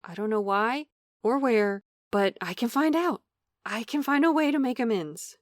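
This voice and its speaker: A remorseful woman played by an actress pleads earnestly in an audio drama. Her voice sits fairly high, and the sound is very dry, with no room on it. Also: lively intonation, moderate pace, no echo, lightly acted. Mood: urgent, pleading. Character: remorseful woman pleading with the one she betrayed. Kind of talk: scripted audio drama dialogue.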